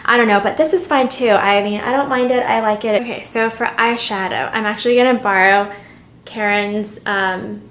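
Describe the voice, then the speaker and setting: A young woman who vlogs about beauty chats through a get-ready-with-me video while doing her makeup at home, rambling, speaking frankly about her emotions, and at times becoming emotional. Her mid-range voice is steady and fairly bright at a normal speed, recorded with reverb and a little hiss or hum.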